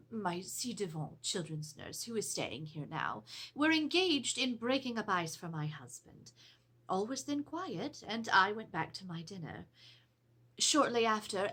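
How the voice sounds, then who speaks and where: A middle-aged woman playing an Edwardian English lady, formally and theatrically reading out her letter about a haunted household. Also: medium pitch. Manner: formal, theatrical, expressive storytelling. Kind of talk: dramatic reading of a period letter. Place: small room with draped cloth backdrop.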